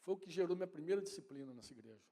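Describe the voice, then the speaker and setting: A man's voice: a little high, expressive, rapid-fire, warm tone, big-room sound. A man with a Brazilian Portuguese accent preaching a sermon in a conversational way, often addressing his congregation and his wife directly. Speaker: pastor. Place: church hall.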